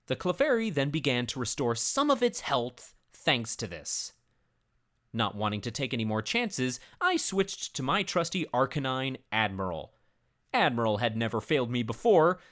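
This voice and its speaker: Dramatic storyteller voice, super animated pitch, reading a funny story all serious and theatrical. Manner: theatrical, grave storyteller delivery. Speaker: narrator.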